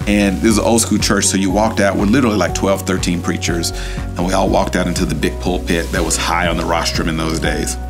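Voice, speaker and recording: Clear music plays in the background while the speaker talks at a fairly quick pace. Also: man. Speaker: pastor. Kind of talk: devotional storytelling. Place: studio.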